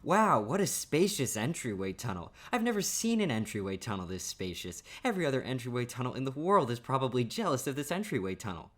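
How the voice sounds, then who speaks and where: A young man in an ASMR boyfriend roleplay, talking playfully and teasingly, laughing often and sometimes dropping to a hush. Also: medium pitch, very animated, fairly quick, few pauses. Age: young adult.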